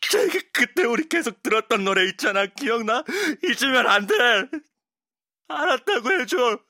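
A man's voice: on the high side, lively intonation, a little slow, a bit bright, no room sound, clean studio sound, voice pushed up. A man voicing a drowsy pleading professor. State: sleepy, struggling to stay awake. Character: exhausted drugged male professor fading into sleep. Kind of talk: audiobook character voice.

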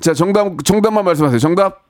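A man's voice: high-pitched, lively intonation, very fast, a little mellow, no room sound, studio quality. A man hosting a radio call-in quiz, joking with callers and singing bits of songs. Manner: playful, sings snippets and counts in callers. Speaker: radio host. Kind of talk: lively radio quiz chat.

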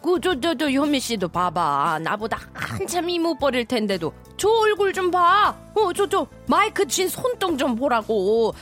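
A woman's voice: high voice, sing-song, unhurried, few pauses, fairly bright tone, soft background music, exaggerated voice. A woman voicing a middle-aged housewife who complains, sighs and wails over aging. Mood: grumbling. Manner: sighing, complaining, wailing. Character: aging housewife, envious, whiny and self-pitying. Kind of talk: radio skit acting.

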